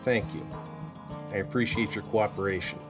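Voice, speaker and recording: An actor playing a calm, polite but insistent police sergeant questioning a witness. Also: male voice, on the low side, normal speed, music in the background, natural voice. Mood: persistent. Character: male police sergeant, steady and persistent. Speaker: police investigator.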